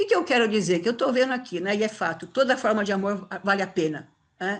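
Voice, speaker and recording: Against a quiet background, a woman talks at a very fast pace. Her intonation is lively. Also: medium pitch for a woman. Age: 60s. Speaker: professor and lecturer. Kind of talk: lecture.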